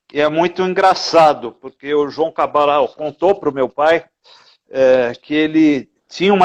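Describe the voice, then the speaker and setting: In a dry, close sound with no echo, a man talks at a fairly slow pace and a fairly high pitch with ordinary pitch variation. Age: 60s. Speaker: writer and literature professor. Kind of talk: interview conversation. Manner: halting, many fillers and restarts.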